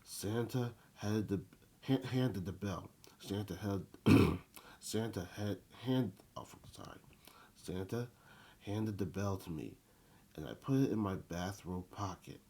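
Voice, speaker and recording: Low husky guy reading a kids christmas book out loud, kinda halting, repeats bits. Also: lively intonation. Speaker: storyteller reading a children's book aloud. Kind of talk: read-aloud children's Christmas story narration.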